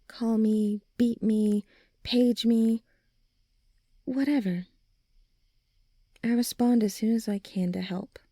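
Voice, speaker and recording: A young woman playing a supportive, gently reassuring friend in an ASMR comfort roleplay, speaking softly and soothingly. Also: mid-range voice, no room sound, studio quality. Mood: warm, affectionate. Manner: soft, soothing, encouraging, breathy sighs and chuckles.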